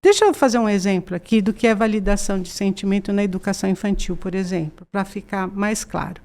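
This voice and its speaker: A woman's voice: mid-range voice, fast talker, a little mellow. A Brazilian woman in her sixties, a psychologist guest, earnestly explaining ideas with many fillers and repeats. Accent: Brazilian Portuguese. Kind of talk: conversational explanation.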